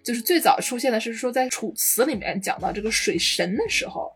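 A woman co-hosting a casual podcast, talking quickly and playfully. Her voice sits a little high and she explains with jokes. Faint music plays behind her. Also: lively intonation. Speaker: podcast co-host; foreign language teacher.

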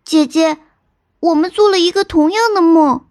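A woman voicing an excited, curious younger sister in a storybook folk tale, with an eager, wondering manner. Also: extremely high pitch, moderate pace, voice pushed up. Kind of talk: storybook narration.

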